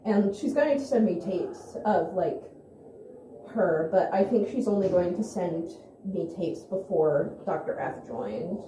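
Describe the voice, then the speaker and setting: A woman playing an awkward, hesitant young amateur investigator who talks haltingly in a found-footage vlog. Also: fairly low pitch, animated. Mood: tentative. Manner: halting, hesitant, full of restarts. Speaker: video host and interviewer. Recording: roomy echo, faint noise, handheld camera.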